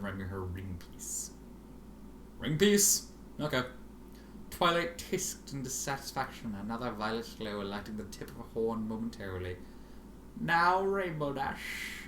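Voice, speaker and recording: A man reading fan fiction aloud in an expressive, sardonic manner, with casual asides. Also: fairly low pitch. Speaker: amateur fan fiction reader. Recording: roomy, faintly noisy home recording.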